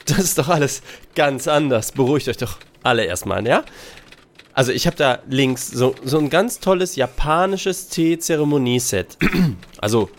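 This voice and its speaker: A man's voice: mid-range voice, lively intonation, normal speed, lightly acted. A man playing an evasive, nervous art thief in a comedic audio drama, stammering excuses. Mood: flustered.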